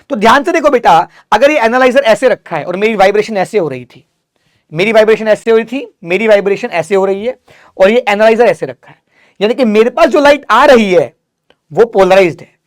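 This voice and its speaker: Male physics teacher, revision lecture, casual and direct, answers his own questions. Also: sits high. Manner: asks students questions then answers them; calls students "beta", casual and direct.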